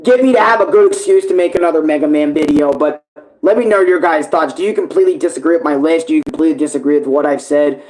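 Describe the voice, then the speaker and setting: A young man chatting casually on a livestream, rambling and swearing with enthusiasm, his voice hoarse and worn. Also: a little high, quick pace, darkish tone, poor audio. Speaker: streamer ranking games. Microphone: tablet camera.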